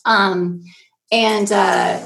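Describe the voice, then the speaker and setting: A woman's voice: mid-range voice, steady tone, drawn-out words, creaky, fairly bright tone, echoey room, rough recording. A woman who runs a marketing agency, explaining in a chatty, enthusiastic way on a live stream. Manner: enthusiastic, chatty, nerdy about her subject. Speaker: digital marketing agency owner. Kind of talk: casual live-stream chat.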